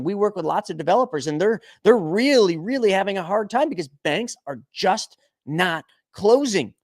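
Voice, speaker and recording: A man's voice: high-pitched, dry recording, studio quality. A man co-hosting a finance news show, delivering an angry, sarcastic, profanity-laced rant. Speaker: podcast co-host. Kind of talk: heated finance news commentary.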